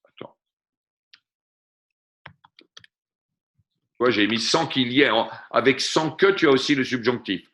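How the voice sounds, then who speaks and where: A man's voice: mid-range voice, slow, long pauses, a bit bright. A man giving a lesson on a video call, patiently explaining grammar and slipping in short English glosses. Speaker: French tutor. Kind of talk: online tutoring session. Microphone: computer mic on a video call.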